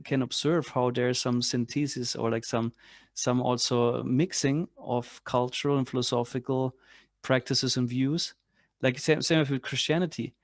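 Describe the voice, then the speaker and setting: A man leading a class on spiritual philosophy, speaking in a halting way with many restarts and fillers. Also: mid-range voice, no echo, clean studio sound. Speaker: class leader. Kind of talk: spiritual lecture with discussion.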